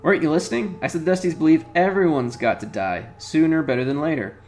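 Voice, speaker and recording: A man voicing a wisecracking floating male skull companion, high and brash as he reads the game's lines aloud. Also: fast talker, a little mellow, close to an everyday voice.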